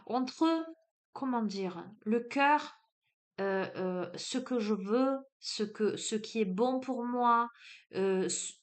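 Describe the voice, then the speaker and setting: A woman's voice: on the high side, slow pace. A woman with a southern French accent, giving a spiritual card reading. She talks hesitantly with many fillers, then turns emphatic. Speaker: oracle card reader.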